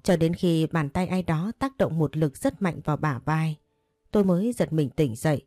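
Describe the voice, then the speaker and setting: A woman reading a first-person story aloud in a calm, measured way, with faint music behind. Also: deep voice, no room sound, clean studio sound. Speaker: narrator.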